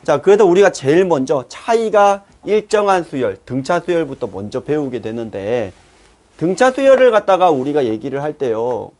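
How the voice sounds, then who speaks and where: A man teaching math with a rather high, animated voice that swings up and down. He explains the topic to other teachers and breaks into his students' voices along the way. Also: moderate pace. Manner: lively, acts out students' voices. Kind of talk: lecture to fellow teachers. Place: classroom.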